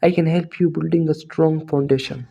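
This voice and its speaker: Male English teacher, South Asian accent, native Urdu or Hindi speaker. Very mellow tone, flat intonation, scripted and encouraging instructional read. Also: on the high side, moderate pace, creaky, muffled recording. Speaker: English teacher introducing an online course. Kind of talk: scripted lesson narration.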